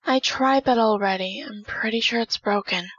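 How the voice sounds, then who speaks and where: Woman playing high-voiced, flustered young woman, muffled recording. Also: moderate pace, no room sound, lightly acted. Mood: frustrated. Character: flustered, impulsive 24-year-old woman with a new gadget. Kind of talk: audio drama acting.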